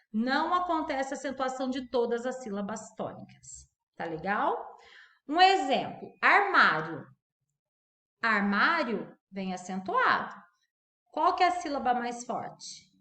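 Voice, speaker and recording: A woman's voice: a little high, sharp tone, reverberant. A woman teacher giving a recorded grammar lesson, quizzing the class and drawing out key words. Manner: asks the class questions and answers them, stretching key words. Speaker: primary school teacher.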